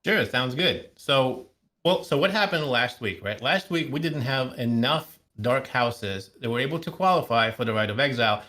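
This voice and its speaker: A man co-hosts a gaming podcast with energetic, rambling explanations. His voice is mid-pitched and ordinary. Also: moderate pace. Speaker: podcast co-host. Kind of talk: casual podcast chat.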